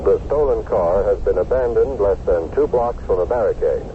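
An actor playing a formal radio news announcer reading a bulletin in a drama. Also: male voice, lowish voice, expressive, moderate pace, close to an everyday voice. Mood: urgent, formal. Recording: noisy, tinny old radio broadcast.

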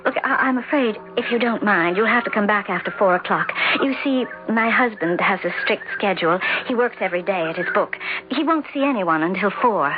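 A woman's voice: mid-range voice, animated, fairly quick, few pauses, noisy background, close to an everyday voice. A woman playing an anxious, earnest, troubled wife who narrates her story in a hesitant, emotive 1970s radio drama style. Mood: flustered politeness. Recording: dull radio broadcast over music.

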